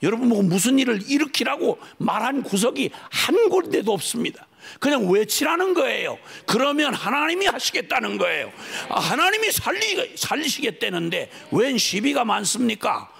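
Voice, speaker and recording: A middle-aged man preaching a fervent sermon at a church worship service, shouting out proclamations and leading the congregation in calls, with playful asides between. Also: very high-pitched, big pitch swings, moderate pace, gravelly, husky. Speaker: missionary preacher.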